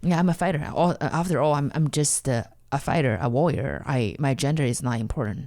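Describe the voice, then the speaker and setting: A woman's very deep, low voice in a Chinese accent, dark and mellow in tone, at a fairly quick pace with ordinary pitch variation and very even loudness, on a very clean recording with a silent background. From China. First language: Mandarin Chinese. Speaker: stand-up comedian. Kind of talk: casual interview chat. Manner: fast.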